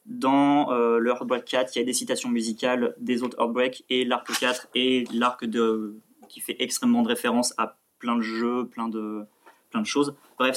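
A man presents at a conference, summing up his points in an explanatory tone. He stumbles and restarts his phrases, with filler pauses in between. His voice sits at a middle pitch for a man. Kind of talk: presenting a lecture.

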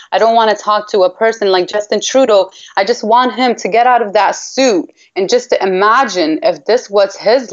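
Earnest woman on a dull, lo-fi recording. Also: medium pitch. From Iraq. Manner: earnest, emphatic, repeats phrases for weight. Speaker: human rights campaigner, interview guest. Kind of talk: heartfelt interview answers. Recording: dull, lo-fi line.

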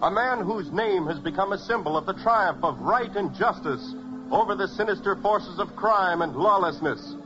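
A man's voice: sits high, expressive, moderate pace, music in the background. An American man announcing in polished, emphatic 1940s radio style, as if selling every phrase. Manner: dramatic, emphatic, polished salesmanship. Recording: muffled 1940s radio recording.

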